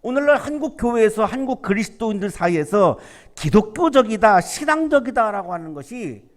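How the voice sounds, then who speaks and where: A male pastor delivers a lively Sunday sermon in a fairly high voice, asking his listeners rhetorical questions and acting out the speakers in the passage. His voice carries a long reverb from the church sanctuary. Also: a little fast. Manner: animated preaching, acts out quoted voices; asks the congregation rhetorical questions.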